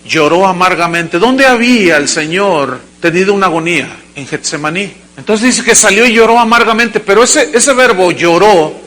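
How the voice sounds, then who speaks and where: A male pastor delivering a sermon to a congregation, with dramatic acted quotes and sudden shouts. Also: high voice, animated, normal speed, hardly any pauses. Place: church service before a congregation.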